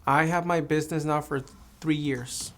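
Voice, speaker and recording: A man's voice: fairly high pitch, fairly even intonation, moderate pace, a bit bright, a little hiss or hum. Man giving short, plain interview answers. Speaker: mock citizenship applicant. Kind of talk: scripted mock interview.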